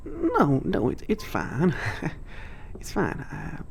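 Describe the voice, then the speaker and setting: A man's voice: a little high, huge pitch swings, takes it slowly, gravelly, slight background noise, full character voice. A man doing a shy, rambling giant with a drawl. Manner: rambling, nervous, folksy slang, many fillers and little laughs. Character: shy, chatty giant young man from a small town. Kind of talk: audio drama roleplay.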